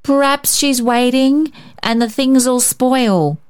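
Lady reading as little boy in a storybook, eager n earnest, high voice. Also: slow pace, clean tone. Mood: pleading, puzzled.

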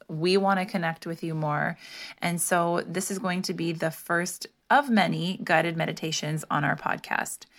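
A woman with a lowish, soothing voice hosts a wellness podcast. She talks softly and unhurriedly, with a casual, open warmth before a meditation. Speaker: podcast co-host, holistic health practitioner. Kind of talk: casual chat, gentle intro to a guided meditation.

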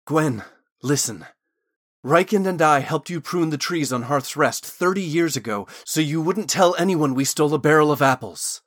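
A man's voice: mid-range voice, moderate pace, a bit bright, close to an everyday voice. A man playing an earnest, desperate cursed man in a fantasy audiobook, pleading urgently in formal wording.

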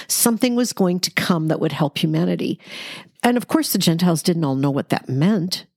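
A woman's voice: mid-range voice, darkish tone, dry recording, clean studio sound. A woman hosting a Bible study, explaining scripture conversationally in an explanatory, emphatic way. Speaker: Bible study podcast host.

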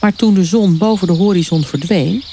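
A woman reading a children's story aloud in a calm, unhurried storytelling manner. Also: lowish voice, slight background noise. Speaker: story reader.

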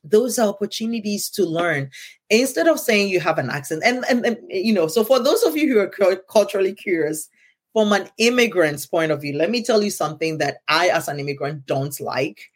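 A woman's voice: mid-range voice, animated, fairly quick, breathy edge. A middle-aged woman with a Ghanaian accent, hosting a casual conversation in an earnest tone and often checking in with "right?". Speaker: podcast host.

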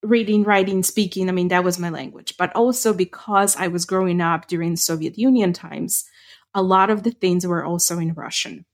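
A woman's voice: lowish voice, steady tone, moderate pace. Middle-aged woman, thoughtful. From Ukraine. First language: Ukrainian. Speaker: podcast co-host. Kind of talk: casual chat.

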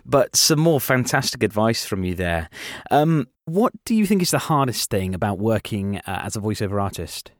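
A man's voice: lowish voice, sing-song, normal speed, dry recording, studio quality. A man hosting a casual interview, enthusiastic and encouraging toward his guest. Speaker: podcast host, voice actor.

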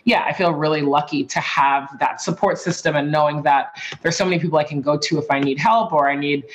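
A woman from Boston, in her thirties, speaking as an interview guest in a warm, chatty way with frequent ums and likes. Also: low-pitched, fairly even intonation, brisk, a little hiss or hum, rough recording. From Boston, USA. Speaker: guest, tech author. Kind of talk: casual interview.

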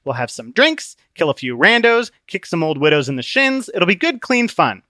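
A man's voice: sits high, very animated, moderate pace, bright, forceful tone, no room sound, studio quality, pitched above the performer's own voice, exaggerated voice. Man doing a smug brutish armored bully. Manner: mocking, smug.

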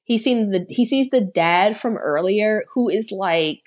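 With an expressive, medium-pitched voice and a measured pace, a woman co-hosts a podcast. She recaps a horror movie casually, being chatty and sarcastic and saying "like" heavily.

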